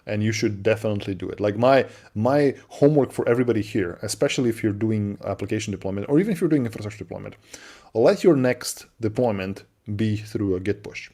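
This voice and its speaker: Low, mellow-voiced man chatting on a livestream. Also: fast. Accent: non-native English. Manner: relaxed, chatty, answers viewer questions with frequent fillers and restarts. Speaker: livestream co-host. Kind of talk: casual livestream chat.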